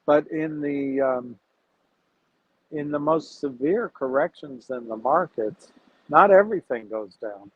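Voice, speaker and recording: A man hosting a casual livestream about investing, talking to his viewers in a measured, reflective way as he thinks aloud. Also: fairly high pitch, husky. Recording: tinny phone-like sound.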